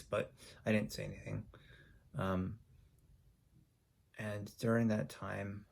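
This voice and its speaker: Low gravelly man telling a story haltingly. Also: a little mellow. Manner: halting, with frequent ums and restarts. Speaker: YouTuber. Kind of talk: personal storytelling to camera.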